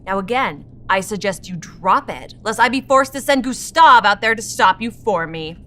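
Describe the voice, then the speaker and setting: A woman's voice: mid-range voice, animated, moderate pace, bright, forceful tone. A woman playing a haughty, wealthy villainess who talks with condescending, menacing politeness in a comedy drama. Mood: condescending, threatening. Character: haughty, imperious wealthy villainess flaunting superior technology.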